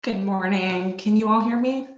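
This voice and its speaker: A woman's voice: mid-range voice, normal speed. A woman reporter politely asking a prepared question on a press conference call. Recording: echoey, dull lo-fi call audio.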